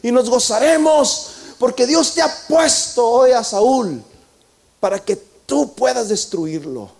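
Eager soldiers urge their leader to act, voiced by a preacher. The voice is high and slow. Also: male voice, expressive, vocal fry, a little mellow, heavily acted. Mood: urging. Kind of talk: sermon storytelling.

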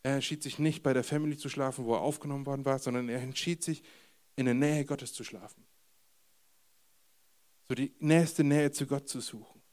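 A man's voice: mid-range voice, steady tone, brisk, pauses often, a little mellow. A man preaching a casual sermon, retelling a Bible story in informal slang and speaking directly to his listeners. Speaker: youth pastor.

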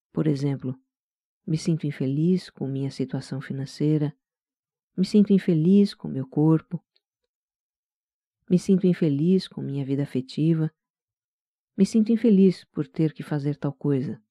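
A meditation guide with a Brazilian accent, speaking gently, calmly and softly in a soothing scripted narration. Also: mid-range voice, moderate pace, pauses often, dry recording, studio quality. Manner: gentle, calm, soft-spoken.

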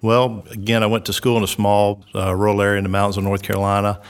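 A middle-aged man from South Georgia with a Southern accent, answering interview questions in an unhurried way, with many "uh"s and "um"s. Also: on the low side, completely flat delivery, clear, resonant tone, long reverb tail. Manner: unhurried, lots of "uh" and "um" fillers. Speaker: resort recreation director.

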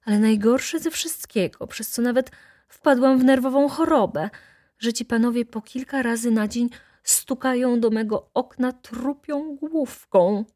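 A woman's voice: a little slow, warm tone. A woman voicing a hysterical middle-aged baroness who wails her complaints in an audiobook. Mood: complaining. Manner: wailing, high-strung complaints.

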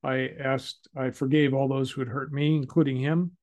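Man telling a story on an interview show, calm and thoughtful, mid pitch, lots of ums. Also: moderate pace. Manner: calm and reflective, with hesitant fillers. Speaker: guest. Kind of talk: recounting a personal story in an interview.

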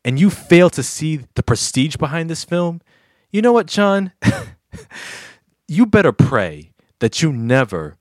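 A male podcast host talks in casual banter, teasing and boasting. His pitch swings widely. The sound is dry and close. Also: sing-song, measured pace, no room sound. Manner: teasing and boastful, stammers when worked up.

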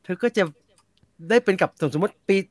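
A man in relaxed casual chat, blunt and animated, swearing and laughing often. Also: moderate pace, no room sound.

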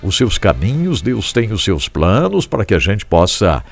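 Low, gravelly Brazilian man hosting live. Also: big pitch swings, moderate pace. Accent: Brazilian Portuguese. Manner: upbeat, tags questions with "né?". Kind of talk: live devotional broadcast talk. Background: guitar music.

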